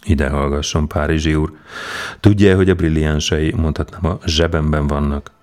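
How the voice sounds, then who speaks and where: A man doing a smug, fast-scheming con man, mocking and sure of himself, pitched a little higher and louder than the narrator. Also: fairly even intonation. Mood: sly, mocking. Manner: mocking, self-assured, brisk. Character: cocky young male con man, smooth-talking.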